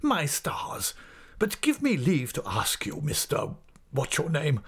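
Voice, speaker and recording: A man's voice: a little high, wildly swooping pitch, slow, breathy edge, pitched above the performer's own voice, full character voice. A man voicing an irascible, pompous school principal in an audiobook, full of sarcastic politeness and whispery menace. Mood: angry. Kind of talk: audiobook character acting.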